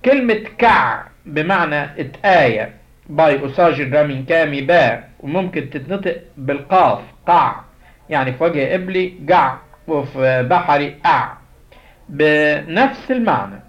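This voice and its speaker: A man with an Egyptian Arabic accent gives a language lesson in a fairly high voice. He spells out each word slowly and repeats it for practice. The audio is dull and lo-fi. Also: lively intonation, a bit bright. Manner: slow, drilled repetition of words. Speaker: Coptic language teacher.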